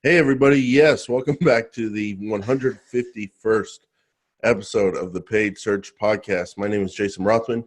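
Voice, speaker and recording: A man's voice: lowish voice, steady tone, normal speed. A man co-hosting a podcast, chatting casually and teasing his co-host in a playful, jokey way. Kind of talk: bantering casual podcast chat.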